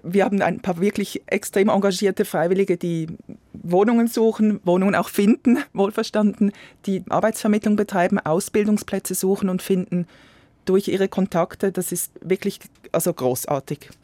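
A man, answering interview questions in a hesitant, reflective way and often trailing off softly. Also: high voice, steady tone, normal speed, no echo. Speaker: guest, volunteer program coordinator. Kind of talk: interview conversation.

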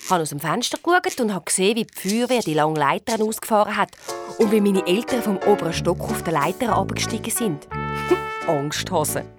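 Lively Swiss German woman storyteller. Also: medium pitch, fast, over music. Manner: lively, expressive storytelling with playful voices. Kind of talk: children's story reading.

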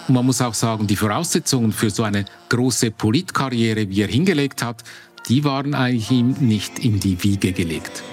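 A man, a reporter, giving measured scripted narration of a feature report. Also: mid-range voice, a little mellow, faint music behind.

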